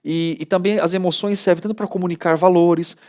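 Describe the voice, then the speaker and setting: A man's voice: high voice, fairly quick. A man in his thirties, a pastor with a Brazilian Portuguese accent, telling stories animatedly in a casual chat. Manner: animated storytelling, many "né" tags. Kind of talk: casual studio talk.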